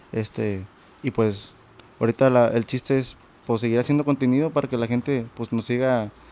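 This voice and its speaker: A man with a northern Mexican accent speaks at a medium pitch. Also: fairly even intonation, moderate pace. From Linares, Nuevo León, Mexico; Nuevo León, Mexico. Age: 20s. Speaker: band musician; interview guest. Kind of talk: casual interview chat. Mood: relaxed, conversational. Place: studio. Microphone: studio mic.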